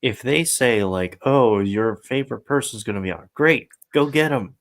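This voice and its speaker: A man's voice: mid-range voice, moderate pace, no room sound. A man chatting casually in a blunt, sweary manner. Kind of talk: casual chat.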